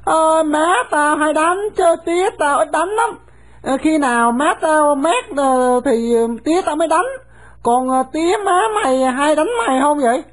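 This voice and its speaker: A woman's voice: high voice, voice pushed up, close to an everyday voice. A woman voicing a bold, mouthy young boy who talks back without fear. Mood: brash. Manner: brash, mouthy, quick to talk back. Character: bold, cheeky young boy, brash and fearless.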